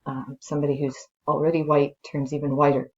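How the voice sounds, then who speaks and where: A woman's voice: sits low, little pitch movement, brisk, a little mellow, dull audio. A woman who is a native English speaker, teaching informally as a language teacher and thinking aloud as she explains. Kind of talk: slow dramatic story read-aloud, then casual lesson commentary.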